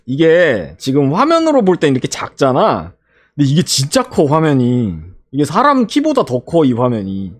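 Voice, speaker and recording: A male streamer gives an informal vlog recap over his photos, animated and laughing frequently as he stacks up fillers and exclamations. His voice is a little high and his pace moderate.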